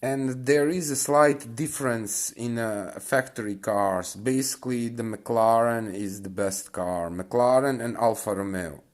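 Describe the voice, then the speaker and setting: A man's voice: mid-range voice, unhurried, hardly any pauses. A man giving casual, rambling commentary while playing a racing game, full of fillers and restarts. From Bosnia and Herzegovina. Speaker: mobile racing game streamer.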